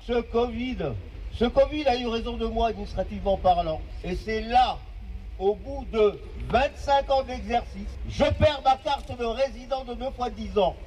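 A man in his fifties with a very high voice delivers an impassioned, oratorical testimony. He builds it with dramatic pauses and repetition. He sounds set back from the mic, with a faint hiss behind him. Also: darkish tone, far from the mic, rough recording. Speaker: care aide giving a testimony.

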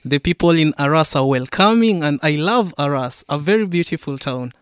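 A man's voice: on the high side, expressive, moderate pace, clean tone, no echo. Young male Kenyan radio guest, Swahili first language, slightly raised voice, dry studio sound, careful speech. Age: young adult. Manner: careful, simple phrasing in a second language. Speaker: musician and English teacher. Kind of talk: radio interview answers in English and French.

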